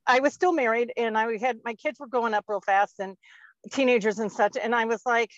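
A woman in her fifties, appearing as a podcast guest, chats casually and rambles with plenty of fillers and frequent laughter. Her voice is fairly high with fairly even intonation and a brisk pace, and the recording is dull, lo-fi, and dry with no echo.

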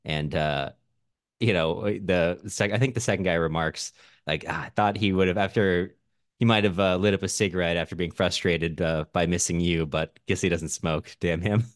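Low deep guy on a book podcast, casual, kinda halting, super dry sound. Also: steady tone, dry recording. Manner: halting, self-interrupting, informal. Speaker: podcast co-host.

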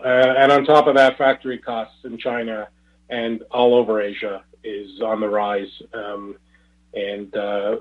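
A man speaking as a company executive on an earnings call, in a halting, hesitant way with repeated words. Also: lowish voice. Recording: tinny narrow phone-line conference call.

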